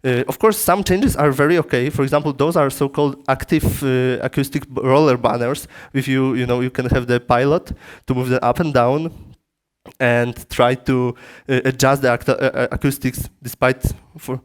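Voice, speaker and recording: Halting Polish-accented man lecturing. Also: medium pitch, fairly even intonation. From Poland. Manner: halting non-native phrasing with frequent restarts. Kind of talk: technical lecture. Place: conference room. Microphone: through a PA system.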